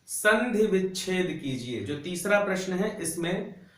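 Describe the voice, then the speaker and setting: A man with a fairly high voice teaches a grammar lesson, drawing out each syllable with slow patience so students can copy along. He stands away from the microphone, and the room gives his voice a strong, roomy echo. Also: expressive, a bit bright. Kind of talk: classroom lesson explaining grammar at a board. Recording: roomy echo, voice a bit far from the mic.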